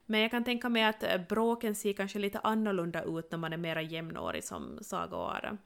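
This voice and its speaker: A woman gives reassuring parenting advice in a relaxed podcast chat. Her voice is smooth and resonant, with a gravelly edge, at a middle pitch. She often backs up the other speaker with soft affirming murmurs. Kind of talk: casual podcast conversation.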